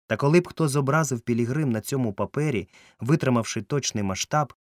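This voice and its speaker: A male audiobook narrator reads a script in a measured, mid-range voice, recorded dry with clean studio sound.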